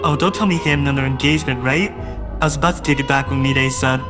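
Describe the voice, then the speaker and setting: A man's voice: mid-range voice, steady tone, fast, music in the background. A man narrating a first-person audio drama in a wistful, doting way that grows uneasy.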